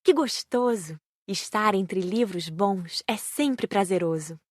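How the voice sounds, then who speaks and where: A woman's voice: mid-range voice, animated, slow pace, no room sound, clean studio sound. A woman reading a first-person audiobook story. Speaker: audiobook narrator. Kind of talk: scripted first-person narration.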